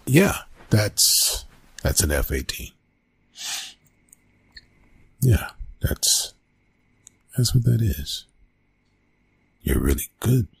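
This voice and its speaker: A man playing a flustered, awkward young college bully in a one-sided ASMR roleplay, stammering and evasive, with a husky, gravelly voice. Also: fairly low pitch, wildly swooping pitch, slow pace, long pauses, dry recording, exaggerated voice. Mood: shyly friendly. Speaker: roleplay audio performer.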